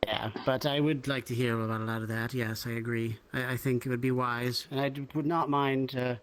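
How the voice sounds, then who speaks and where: A roleplayer speaking in character in an improvised conversation, hesitant, halting and polite. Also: mid-range voice, level tone. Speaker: roleplayer in a virtual reality game.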